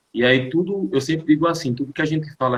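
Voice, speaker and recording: A man with a strong northeastern Brazilian accent talks at a very fast pace. His voice is somewhat breathy, with ordinary pitch variation. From Brazil, Paraíba (Campina Grande). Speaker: spiritist medium. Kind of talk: live stream interview.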